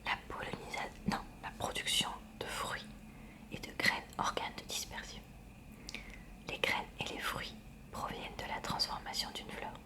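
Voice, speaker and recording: Here a woman reads science from a school textbook in the soft style of ASMR. Her voice is a breathy library whisper without voicing, hushed and measured throughout.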